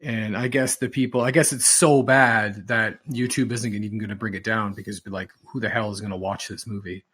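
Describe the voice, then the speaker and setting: A man's voice: lowish voice, steady tone, brisk, hardly any pauses, fairly bright tone, slight background noise. A man chatting casually on a podcast, emphatic and exasperated, repeating himself to drive points home. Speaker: podcast host. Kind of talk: casual rambling podcast chat. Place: recorded podcast, audio only.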